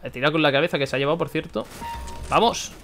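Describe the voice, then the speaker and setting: A young man from commenting on his own gameplay, excitable, swearing and shouting at the game. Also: a little high, quick pace, soft background music. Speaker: gaming YouTuber.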